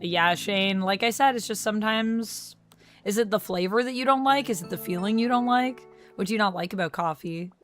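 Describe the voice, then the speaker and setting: A woman's voice: medium pitch, moderate pace, a bit bright, soft background music. A woman chatting casually on her live stream, reading chat messages aloud and replying to viewers. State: recovering from vocal strain.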